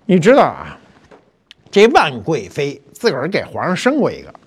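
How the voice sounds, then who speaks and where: An older man, hosting a talk show and telling a history story in a chatty, colloquial way with lively asides. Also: fairly high pitch, moderate pace, husky. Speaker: host.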